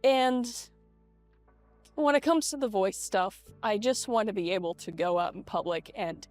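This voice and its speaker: A young adult woman talking casually and confessionally in a vlog through a voice changer, in a hesitant, halting way with repeated words. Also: medium pitch. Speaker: vlogger. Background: soft lo-fi video game music.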